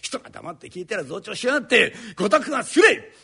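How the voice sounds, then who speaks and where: A male rakugo storyteller voicing a fiery middle-aged master carpenter in rough Edo downtown speech, shifting from polite pleas to a rapid stream of insults. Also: high voice, big pitch swings, sharp tone, full character voice. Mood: furious tirade. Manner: polite pleading turning into a fast, rough tirade.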